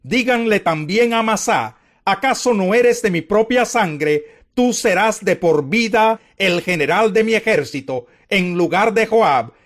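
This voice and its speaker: A sorrowful aging king crying out for his son, read by a man with a high voice. The lament is drawn out and slow, heard in an audio Bible story. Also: expressive. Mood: commanding. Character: grieving aging king and father.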